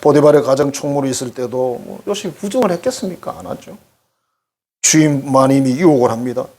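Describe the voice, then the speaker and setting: Husky, animated pastor preaching. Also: male voice, medium pitch, fairly quick. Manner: animated, addresses congregation directly, acts out quoted voices. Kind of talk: conversational sermon.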